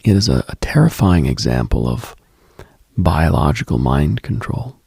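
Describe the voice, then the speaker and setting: A man hosting a late-night mystical radio monologue in a hushed, musing, ASMR-like way, with frequent pauses and a husky, breathy, gravelly voice. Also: rumbling low, big pitch swings, no echo, clean studio sound. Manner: hushed, musing, pausing often.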